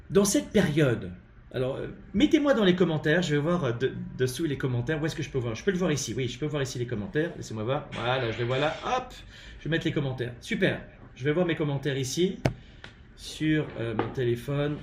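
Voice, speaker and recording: A man with a French accent gives an emphatic, animated live-streamed talk on leadership from his home, his voice in the middle range. He stops often on hesitant fillers. The room sounds roomy, with faint ambience behind him. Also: mid-range voice, slight background noise. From France. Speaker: leadership coach and live show host.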